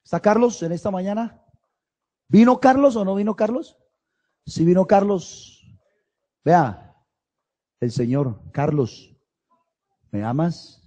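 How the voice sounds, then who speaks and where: A man preaching a sermon with passion, moving between loud cries and soft, tender passages. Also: high voice, lively intonation, measured pace, pauses often. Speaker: pastor. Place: church camp service.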